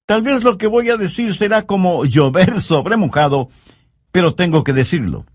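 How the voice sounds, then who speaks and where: Earnest, lively male preacher. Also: sits high, dry recording, studio quality. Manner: earnest, pleading, slows down on key words. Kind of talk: sermon.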